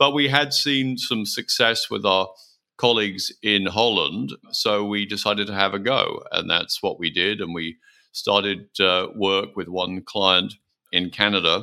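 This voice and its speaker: In a British accent, a man with a fairly low pitch and a bright, sharp tone speaks at a fairly slow pace with ordinary pitch variation. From United Kingdom. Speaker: business partner, consultant. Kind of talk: business podcast conversation.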